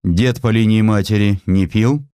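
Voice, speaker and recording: A man's voice: lowish voice, moderate pace, warm tone, smooth, no echo, studio quality, voice pushed up, lightly acted. A man voicing a stern, eccentric medical professor in an audiobook, curt, commanding and businesslike.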